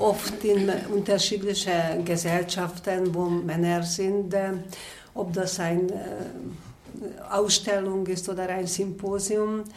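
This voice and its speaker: With audible room echo and noticeable background noise, a woman at medium pitch speaks at a very slow pace in a monotone, flat intonation. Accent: Hungarian. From Hungary. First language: Hungarian (speaking German). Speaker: artist and art teacher. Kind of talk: radio panel discussion.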